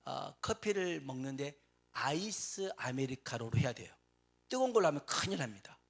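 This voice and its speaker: A man preaching a Sunday sermon as a pastor, quizzing his congregation with questions and reading scripture slowly and solemnly. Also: medium pitch, very animated, gravelly, breathy edge. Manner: reads scripture slowly and solemnly, swells louder on emotional lines. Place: church sanctuary.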